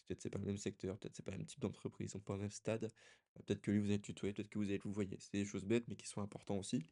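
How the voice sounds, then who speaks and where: A man's voice: on the low side, flat delivery, racing, gravelly, mellow. A young man coaching freelancers in a loose, conversational talking-head lesson, often restarting his sentences.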